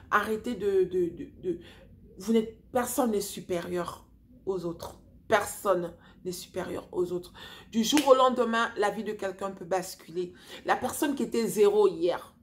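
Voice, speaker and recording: A woman in her forties from Africa, telling a personal story to her viewers in a chatty, animated way with many fillers and restarts. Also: medium pitch, a little hiss or hum. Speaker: vlogger. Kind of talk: casual storytelling to camera.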